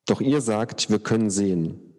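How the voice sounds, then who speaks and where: A man reading aloud, voicing Jesus as a calm, authoritative teacher who speaks in a measured way. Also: fairly low pitch, big-room sound. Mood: solemn.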